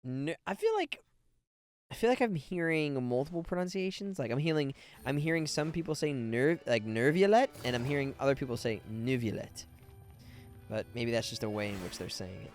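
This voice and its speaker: A man's voice: medium pitch, lively intonation, brisk, faint music behind. A man casually commentating on a game as he streams it, playful and rambling as he thinks aloud. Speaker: streamer, voice actor.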